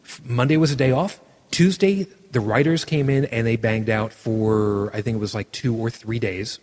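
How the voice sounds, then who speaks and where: A man hosting a casual podcast chat, talking with animated enthusiasm and frequent restarts. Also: mid-range voice, normal speed, in a large hall. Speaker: podcast host.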